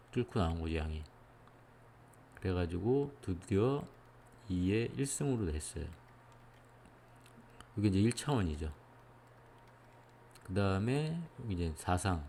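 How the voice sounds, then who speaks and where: Male lecturer, lowish voice, calm and methodical, walks through each point with small affirmations. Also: a little hiss or hum. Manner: patient, step-by-step explaining with frequent "예" check-ins. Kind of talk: explanatory lecture.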